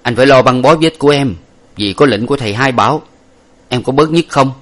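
A man's voice: mid-range voice, a little fast, voice pushed up, lightly acted. A man voicing a devoted young husband who cries and laments over his wounded wife. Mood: earnest. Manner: wailing, lamenting. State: crying. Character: devoted young husband, grief-stricken fighter.

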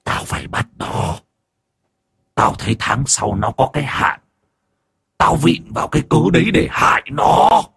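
A man voicing the vengeful ghost of a boy who died at eight, in a thin wailing voice with drawn-out, pleading and menacing lines. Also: a little high, expressive, gravelly, fairly bright tone, breathy edge, dry recording, clean studio sound, pitched above the performer's own voice, heavily acted.

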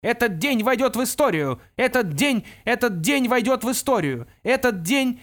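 A man's voice: very high-pitched, lively intonation, moderate pace, a bit bright, pitched above the performer's own voice. A male audiobook reader voicing a broken talking toy that repeats itself in a metallic voice. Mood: stuck. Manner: repetitive, stuck like a broken recording.

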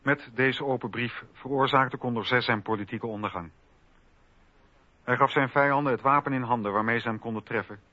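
A man's voice: mid-range voice, fairly quick, sharp tone, dry recording. A man narrating history from a script for a documentary radio play. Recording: dull radio recording with faint music.

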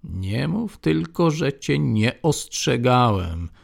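A man reading as a gravelly old inmate. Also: mid-range voice, sing-song, takes it slowly, heavily acted. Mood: knowing. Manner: ominous, knowing. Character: old male prison inmate, cryptic, warns gravely. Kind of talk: audiobook character voice.

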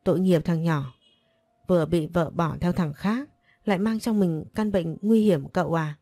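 Storybook role: tearful pleading older mother, read by a woman, low mellow voice. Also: moderate pace, no echo. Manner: begging, sobbing pleas.

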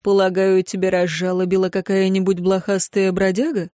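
A woman's voice: medium pitch, flat delivery, normal speed, dark tone, no echo, clean studio sound, close to an everyday voice. A woman voicing a wealthy, patronizing middle-aged male guardian in a storybook. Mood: condescending. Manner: patronizing, dismissive.

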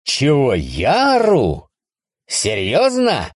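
A man's voice: medium pitch, very animated, takes it slowly, darkish tone, no echo, studio quality, voice pushed up. A man reading a story aloud, voicing an irritable, hungover man who swears and snaps sarcastically. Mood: exasperated. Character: irritable hungover man woken at night, foul-mouthed. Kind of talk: audiobook reading.

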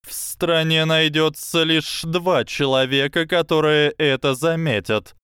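Man doing a sly hissing snake, higher and louder than his own voice, slow and lecturing, crisp dry recording. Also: no room sound. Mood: scheming. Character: sardonic scheming male snake, cunning mentor. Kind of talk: audiobook character voice.

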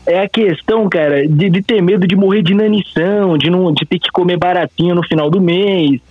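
A man's voice: high-pitched, fairly quick, slightly rough, no echo, faint music behind. A man in his twenties calling in over the phone, chatting in a casual, slangy way. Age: 20s. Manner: slangy, sprinkles his talk with "cara" and "bicho". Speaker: caller. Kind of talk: casual chat. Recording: muffled phone call.

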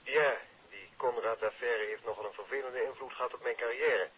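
A man acting an aggrieved, talkative bank employee with a husky voice, heard through a telephone in a 1950s radio serial. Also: mid-range voice, brisk, slight background noise. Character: male bank employee, aggrieved, wordy, uneasy. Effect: telephone filter. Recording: thin, narrow telephone-style old radio sound.

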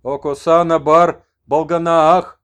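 A man voicing an old toothless shaman messenger who speaks in broken phrases and loud chanted exclamations. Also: a little high, little pitch movement, slow pace, clear, resonant tone, voice pushed up. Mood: chanting.

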